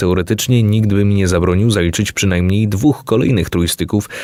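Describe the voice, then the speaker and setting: A man with an unremarkable speaking voice talks at a fairly quick pace in a fairly low pitch. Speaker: YouTuber. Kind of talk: reading aloud.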